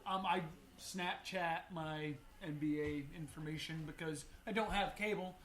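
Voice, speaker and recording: A man's voice: on the high side, steady tone, a little slow, fairly bright tone. A man co-hosting a casual sports podcast, easygoing and joking. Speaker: podcast co-host. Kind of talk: casual chat.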